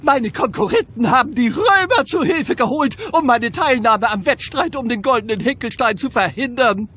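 Snooty gaul bard, high bright voice, grandiose, cartoon audio play. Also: male voice, expressive, normal speed, a little hiss or hum, heavily acted. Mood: haughty, hurt. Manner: grandiose, flowery, haughty. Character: vain, offended Gaulish bard, theatrical artist. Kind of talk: comic cartoon radio play acting.

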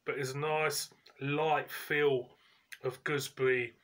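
Male reviewer, 40s, bright punchy voice, mid pitch, colloquial and casual. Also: flat delivery. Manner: informal, colloquial, pauses mid-sentence. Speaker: beer reviewer and host. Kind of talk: casual chatty video review. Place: indoors, living room at home.

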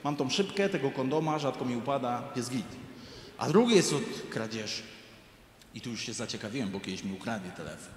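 A man's voice: mid-range voice, brisk, slight background noise. A man performing stand-up comedy, telling a profane story and acting out the people in it. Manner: animated, profane, acts out quoted people. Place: large arena stage. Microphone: handheld stage mic. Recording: echoey arena, crowd ambience. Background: audience laughter.

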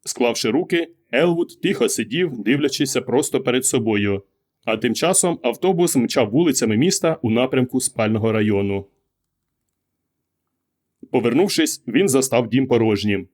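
A man narrating a short story as an audiobook in a calm, measured way. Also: medium pitch. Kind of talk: scripted narration.

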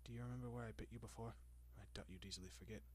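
A man playing a doting, possessive centuries-old vampire in an intimate roleplay audio, speaking in a genteel, coaxing manner with lingering pauses. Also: on the low side, steady tone, a little mellow, a little hiss or hum, natural voice. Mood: courteous, coaxing.

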